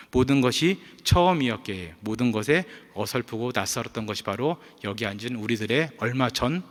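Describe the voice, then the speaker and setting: A male pastor preaching a sermon in a church, telling personal stories in a calm, earnest way with frequent "uh" fillers. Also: medium pitch. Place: church sanctuary. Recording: reverberant church hall.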